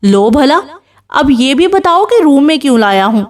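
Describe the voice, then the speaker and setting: An arrogant, hot-tempered rich young man from an audiobook novel, curt and threatening in every line, read by a woman. His voice sits fairly high, since the storyteller keeps her own register. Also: very animated. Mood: curt, mocking. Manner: harsh, threatening, commanding.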